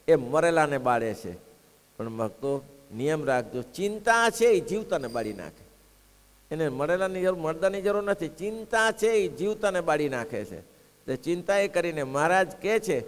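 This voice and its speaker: A man giving a devotional sermon. He tells stories, acts out the characters and keeps asking his listeners rhetorical questions. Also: on the high side. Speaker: preacher. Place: gurukul assembly hall. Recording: long hall reverb.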